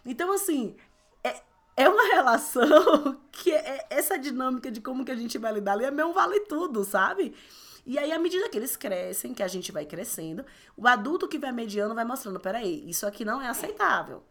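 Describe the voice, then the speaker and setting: A woman, sharing stories in a relaxed conversation. She is expressive, laughs often and acts out other people's lines. Her voice is fairly high and moves a lot. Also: a little fast. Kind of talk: casual chat.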